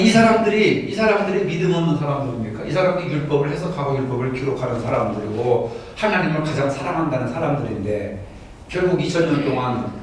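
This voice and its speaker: A male pastor from Daejeon leading a Bible study, asking his listeners for agreement again and again. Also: mid-range voice. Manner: asks listeners for agreement often. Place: church room. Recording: echoey room from far off, faint noise.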